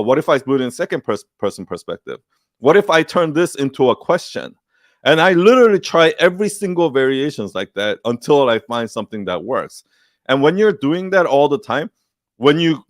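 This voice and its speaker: Animated swearing man, dry sound. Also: medium pitch, no echo. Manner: animated, swears often, acts out quoted advice. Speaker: online creator answering questions. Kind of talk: casual livestream talk.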